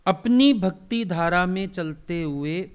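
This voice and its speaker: A man with a slightly high voice preaches at a devotional gathering. He recalls old days in story form and slips into the voices of the people he quotes. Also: lively intonation, slow, clean tone. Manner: reminiscing, acts out quoted dialogue. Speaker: spiritual teacher leading a satsang.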